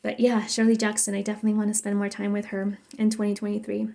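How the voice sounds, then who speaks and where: Young adult woman from Mexico, native Spanish, chatty and effusive, slight fry, warm dark tone. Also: medium pitch, monotone, fast. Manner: chatty, effusive, many fillers and restarts. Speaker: book vlogger. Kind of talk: casual chat to camera.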